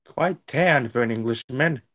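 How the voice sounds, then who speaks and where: A man co-hosts a movie riff, tossing in dry, teasing one-liners. His voice sits at an average pitch, and his delivery stays easygoing and conversational. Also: a little slow, fairly bright tone. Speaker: co-host. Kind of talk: casual movie riff commentary.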